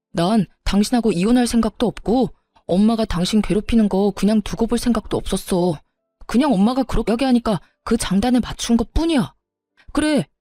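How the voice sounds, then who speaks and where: 여자가 연기하는 애원하는 남편. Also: female voice, mid-range voice, mellow, no room sound, clean studio sound, close to an everyday voice. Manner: begging then threatening, flip-flopping. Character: desperate pleading husband, quick-tempered, married man. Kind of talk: story narration with voiced dialogue.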